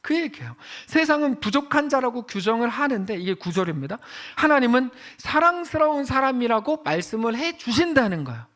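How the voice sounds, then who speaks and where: A man preaching a sermon as pastor, passionate, rising to loud high outbursts and dropping to quiet low stretches as he reads scripture and speaks God's words to the listener. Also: big pitch swings, a little fast, hardly any pauses.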